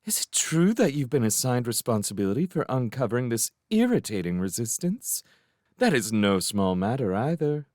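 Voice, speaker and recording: A man's voice: mid-range voice, big pitch swings, moderate pace, a little mellow, no echo, studio quality, voice pushed up, lightly acted. A man reading aloud, voicing a poised young woman who speaks sweetly and teases with a sly, condescending edge. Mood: sweetly probing.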